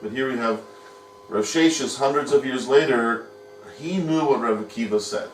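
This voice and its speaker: A man's voice: medium pitch, moderate pace, slight background noise. A man teaching a Talmud study lesson, patiently explaining step by step and posing rhetorical questions. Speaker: yeshiva teacher. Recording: echoey room, mic at a distance.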